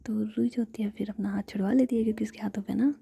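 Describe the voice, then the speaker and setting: A woman narrates a story entirely in a soft whisper, in a casual retelling style. Her voice is very breathy and dark, with a gravelly rasp underneath. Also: medium pitch, steady tone, very fast.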